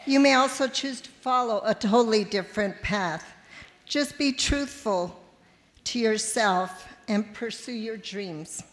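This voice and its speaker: A woman's voice: a little high, measured pace. A woman from an advisory board giving a formal, congratulatory greeting speech. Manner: warm, congratulatory. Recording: long hall reverb.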